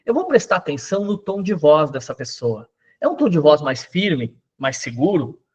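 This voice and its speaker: A man teaching a class on body language, explaining step by step with lists of examples and quick checks with his listeners. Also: fairly high pitch, big pitch swings, husky, lo-fi sound. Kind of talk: recorded class lecture.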